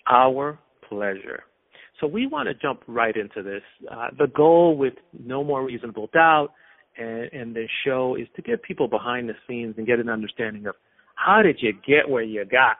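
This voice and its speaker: A man's voice: mid-range voice, expressive, normal speed, no room sound. A man hosting a radio interview show, reading a scripted, formal introduction and then asking his guest questions. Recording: dull dry radio sound.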